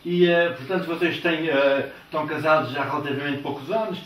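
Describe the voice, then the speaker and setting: An older man interviewing a couple in a living room, asking slow, hesitant, friendly questions into a handheld mic. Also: on the high side, fairly bright tone. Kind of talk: casual TV interview. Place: living room of a house, indoors. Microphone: handheld microphone. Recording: roomy, distant, faint background noise.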